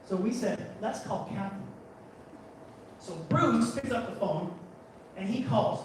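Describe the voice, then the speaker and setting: Brief: man, high voice, animated live storyteller, keeps backtracking, recorded from far off in a very echoey room. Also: unhurried, noisy background. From Canada. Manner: animated, chatty storyteller who backtracks and restarts. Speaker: photographer giving a talk. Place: large room at a photography guild talk. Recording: very echoey room, far from mic, faint ambience.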